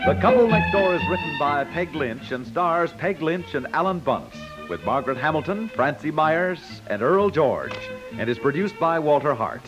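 A man's voice: on the high side, sing-song, normal speed, few pauses, loud music behind the voice. A man announcing from a script in the style of 1950s network radio. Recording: muffled 1950s radio broadcast recording.

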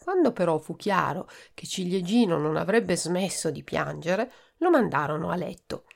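Gravelly woman reading a storybook. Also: lowish voice, normal speed. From Italy. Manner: expressive, clear storytelling. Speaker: podcast host reading a children's book. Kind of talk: storybook read-aloud.

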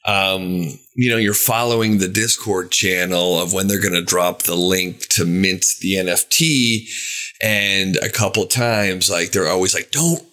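A man's voice: low-pitched, steady tone, measured pace, sharp tone. A man telling a story in casual podcast chat, rambling with many fillers and repeats.

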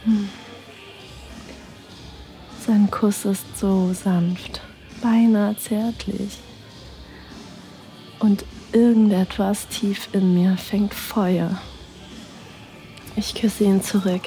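A woman narrating an erotic audio drama in the first person, in a breathy, sensual way that slips into whispers. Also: medium pitch, fairly even intonation, extremely slow, long pauses, warm tone, faint music behind, poor audio.

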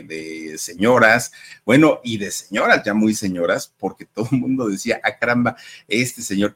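A man's voice: fairly low pitch, husky. A man with a Mexican accent who hosts a show and tells celebrity stories in a chatty way, addressing viewers directly. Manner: conversational, addresses viewers directly, uses fillers. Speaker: entertainment gossip host.

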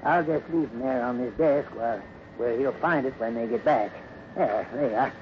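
An actor playing a crusty old hobo with a folksy rural American accent in a 1950s radio drama. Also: male voice, medium pitch, close to an everyday voice. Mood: kindly, eager. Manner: folksy, scolding, drawn-out sighs and exclamations. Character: crusty old hobo, gruff outside, kindly underneath. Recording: muffled, noisy 1950s radio recording.

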